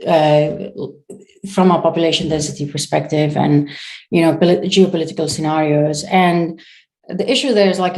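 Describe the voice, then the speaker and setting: A woman in her thirties from Syria speaks as a founder in a casual interview. Her voice sits unusually low for a woman. She talks in a halting way, pausing and restarting as she searches for the right words. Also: darkish tone. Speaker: startup founder, guest.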